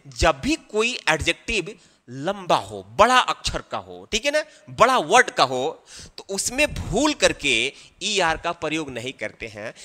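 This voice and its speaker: A male teacher gives a grammar lesson in a high, bright voice that swings widely in pitch. He explains each step slowly and keeps checking that his students are following. The sound carries a long, ringing reverb. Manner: explanatory, often checks in with the listener.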